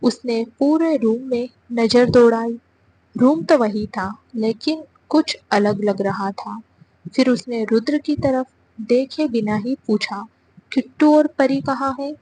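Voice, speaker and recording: A woman narrating a romance audio story in an even storytelling delivery. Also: on the high side, slight background noise, rough recording.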